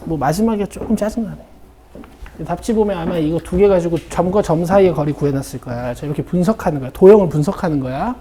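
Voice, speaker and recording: A woman's voice: lowish voice, fast, mellow, a little hiss or hum. A woman math teacher leading a classroom lesson, who keeps checking in with her students as she works through a problem. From South Korea. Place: academy classroom.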